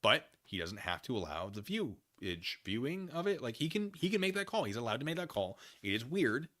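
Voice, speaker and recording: A man hosting a live stream, reading documents aloud and commenting casually with conversational, animated asides. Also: mid-range voice, fairly quick. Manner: conversational, animated asides, acts out imagined dialogue.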